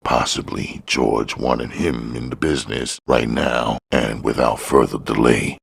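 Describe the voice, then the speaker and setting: Extremely deep, gravelly male narrator. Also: steady tone, a little slow. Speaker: audiobook narrator. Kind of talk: scripted narration of a crime novel.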